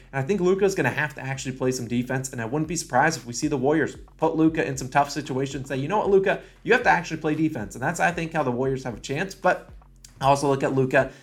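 American guy doing sports betting picks, talks really fast, confident tipster hype. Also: medium pitch. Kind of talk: sports picks video commentary.

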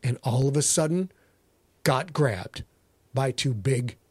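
A man's voice: medium pitch, animated, takes it slowly, a little mellow, breathy edge, dry recording. A middle-aged American man giving a theatrical, mock-serious dramatic reading of a story as its narrator. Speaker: author and narrator.

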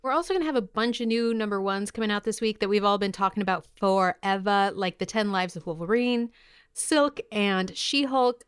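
Woman, podcast co-host, clear smooth voice, dry sound, upbeat news presenting, playful, slangy, enthusiastic. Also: mid-range voice, brisk, no room sound.

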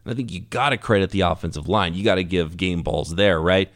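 Guy doing a solo sports pod, kinda hoarse from a cough, lowish voice, dry close mic, energetic and chatty. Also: fairly quick, no room sound. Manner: energetic, conversational, emphatic. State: losing his voice from a lingering cough. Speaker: podcast host. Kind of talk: solo sports podcast analysis.

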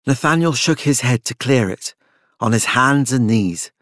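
A man narrates a literary tale with measured drama. His voice sits at an average male pitch, and the recording is dry and intimate, free of room sound. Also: animated, a bit bright, dry recording. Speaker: audiobook narrator. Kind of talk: scripted literary story narration.

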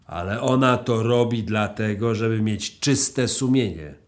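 An actor playing a stern, embittered socialist miner in a radio play, preaching emphatically. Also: male voice, lowish voice, a little slow, natural voice. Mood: scolding, preachy.

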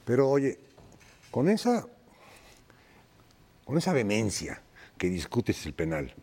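Raspy gravelly pundit, stumbles over his words, very colloquial, music faint behind. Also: medium pitch, huge pitch swings, slow, darkish tone. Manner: stammering restarts, colloquial, apologetic then pushing back. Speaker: sports pundit. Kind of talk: heated panel debate.

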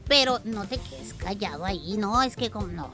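A woman co-hosting a Christian children's radio program, speaking to young listeners in a lively, caring way. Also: mid-range voice, moderate pace, over music. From El Salvador. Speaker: children's radio show co-host.

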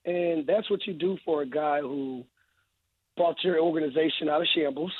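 Man, 30s, hoarse, husky, tinny phone line, earnest, emphatic. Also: fairly high pitch, moderate pace. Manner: earnest, emphatic, repeats phrases. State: losing his voice, hoarse. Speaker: guest football analyst. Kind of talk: radio interview, sports analysis.

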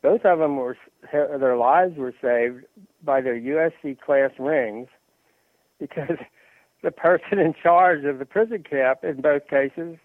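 A man talking sports on a radio show, halting and full of fillers and restarts. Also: a little high, dry recording. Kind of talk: rambling sports talk on phone. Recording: tinny phone line.

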